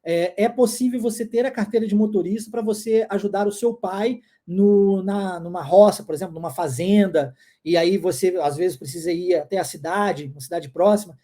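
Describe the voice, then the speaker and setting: A man from New Jersey who teaches English, giving a pronunciation lesson. He repeats English words slowly for learners to copy and chuckles often. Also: high-pitched, mellow. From United States, New Jersey.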